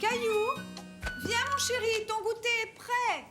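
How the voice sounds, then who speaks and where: A woman playing a busy young cartoon mother, loving but easily exasperated, with an expressive, pleading manner. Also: very high-pitched, a little slow, music in the background. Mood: calling fondly. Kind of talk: cartoon dub acting.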